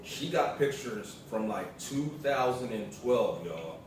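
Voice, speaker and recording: Casual American male vlog co-host, slangy storyteller, mid pitch, heavily reverberant room with clear background noise. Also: animated, takes it slowly. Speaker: vlog co-host, the vlogger's partner. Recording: roomy echo, distant mic, noisy background.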